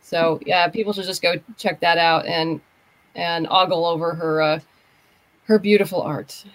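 A woman's voice: fairly low pitch, steady tone, normal speed, fairly bright tone, poor audio. A woman talking casually as a guest creator on a podcast. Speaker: podcast guest, comics and audio drama creator.

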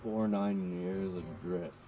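A man playing a very old, frail, wistful castaway alone in space in an audio drama, speaking slowly. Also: low-pitched, level tone. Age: older. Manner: very old man's frail, slow delivery. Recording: muffled playback under overlapping commentary chatter.

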